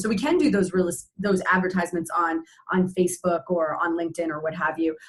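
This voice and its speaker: A woman's somewhat breathy, medium-pitched voice, fairly quick and lively in intonation. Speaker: securities lawyer presenting a webinar. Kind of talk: presentation / webinar. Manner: fast; hesitant fillers.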